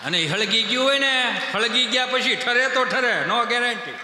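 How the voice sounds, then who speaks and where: A man's voice: very high voice, a little slow, a little hiss or hum. A male comedian with a Kathiawadi Gujarati accent, telling rustic comic stories on a live stage. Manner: animated storyteller, rustic dialect banter. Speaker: stand-up comedian. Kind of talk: folk stage comedy storytelling. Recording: echoey hall, live stage PA.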